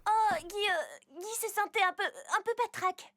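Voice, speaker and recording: A woman's voice: very high voice, normal speed. A woman voicing a watchful, exasperated girl who looks after a superhero's secret in a cartoon, with a chiding manner. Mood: nervous, stalling. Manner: animated, chiding. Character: watchful, exasperated young sister, superhero's confidante. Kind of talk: animated cartoon dubbing. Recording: loud music behind the voice.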